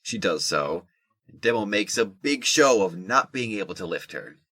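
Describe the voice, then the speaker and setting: A man with a husky voice reading scripted narration for an audio drama. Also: lowish voice, animated, normal speed, bright, forceful tone.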